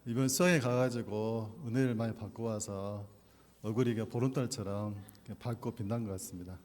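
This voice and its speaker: A man's voice: on the low side, steady tone, fairly quick, a little mellow. A man preaching as a pastor at a church service, speaking from the pulpit in an echoey hall. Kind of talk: sermon with scripture reading and prayer. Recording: echoey hall with long reverb.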